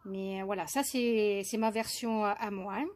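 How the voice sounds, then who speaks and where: A woman from France demonstrating crochet step by step, hesitant with many fillers and restarts, softly counting stitches under her breath. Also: medium pitch, fairly even intonation, moderate pace. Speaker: crochet tutorial host.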